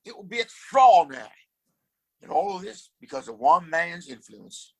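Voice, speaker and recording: A man's voice: high-pitched, sing-song, normal speed, low-quality recording. A man playing a pompous, scheming Old West town boss in an audio play, speaking in a grandiose, commanding, wordy way.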